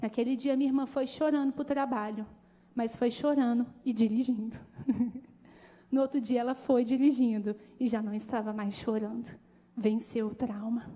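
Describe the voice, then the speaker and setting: A woman pastor preaches in a high, mellow voice, chatting with the congregation and calling out to them. Her voice carries a long church-hall reverb. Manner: conversational, animated preaching with calls to the congregation. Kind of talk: sermon.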